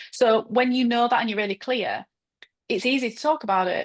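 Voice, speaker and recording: A woman with a strong Northern English accent talks with ordinary pitch variation. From northern England. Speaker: business mentor. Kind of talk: podcast interview. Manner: fast; direct.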